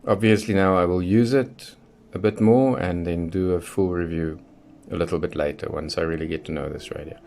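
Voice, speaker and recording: Male, deep voice, hobbyist reviewer talking casually and matter-of-factly, clear background noise on the recording. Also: fairly even intonation, fairly quick, darkish tone. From South Africa. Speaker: radio hobbyist presenter. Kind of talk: casual unboxing review, unscripted.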